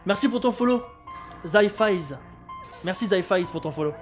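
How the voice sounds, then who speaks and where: A man's voice: high voice, animated, normal speed, soft background music. A French man streaming a game, chatting casually and reading his viewers' chat with wry humor. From France.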